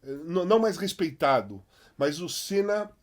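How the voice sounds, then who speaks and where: São guy hosting a podcast, high voice, animated, gets fired up. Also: measured pace. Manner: animated, emphatic, worked up. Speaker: podcast host. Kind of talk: casual interview chat.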